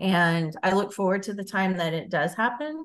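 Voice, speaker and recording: A woman talks fairly slowly in a normal speaking voice, medium in pitch with ordinary pitch variation. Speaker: caregiver and podcast co-host. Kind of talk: casual chat.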